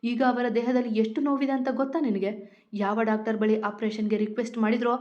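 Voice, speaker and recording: A woman's voice: fairly high pitch, steady tone, a little fast, lightly acted. Woman doing a tearful older wife, pleading. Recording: lo-fi recording.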